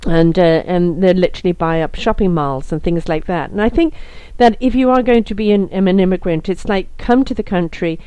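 Low warm-voiced woman, chatty. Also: normal speed, clean tone, no room sound. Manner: chatty, leans on "you know". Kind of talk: casual conversation.

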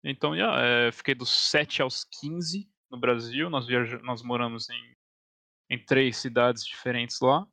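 A young man with a Brazilian Portuguese accent, a game developer guest talking casually in an interview, relaxed and dropping frequent "yeah" fillers between thoughts. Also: medium pitch, measured pace, gravelly, no echo. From born in Portugal, raised in Canada and Brazil.

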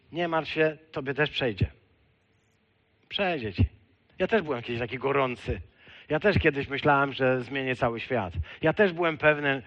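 A man preaching an earnest sermon, speaking straight to the listener, rising to emphatic peaks and then dropping low. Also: a bit bright. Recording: dull lo-fi sound.

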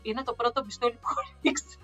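High, bright-voiced woman telling animated stories. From Greece. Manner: animated storyteller, laughs often. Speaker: podcast co-host. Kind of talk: casual chat. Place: living in the United States. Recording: slightly dull lo-fi sound with faint music.

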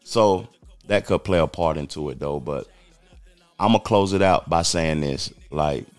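Deep-voiced man in his forties, blunt. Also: measured pace, no echo, faint music behind. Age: 40s. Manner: blunt, emphatic, streetwise talk. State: losing his voice. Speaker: podcast host. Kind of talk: casual commentary.

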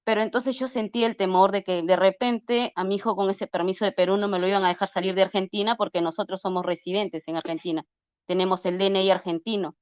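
A woman's voice: mid-range voice, steady tone, fast talker, clean tone, no room sound. A middle-aged woman tells a personal story in a casual, earnest way, voicing the people in it as she goes and often restarting her sentences. The audio is dry and a little muffled, close and lo-fi. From Peru. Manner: earnest, acts out dialogue while retelling, frequent restarts. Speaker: interview guest.

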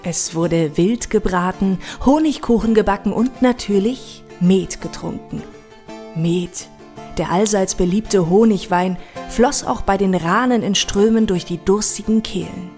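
A woman's voice: mid-range voice, unhurried, darkish tone, soft background music. A woman delivering scripted documentary narration as a storyteller of history.

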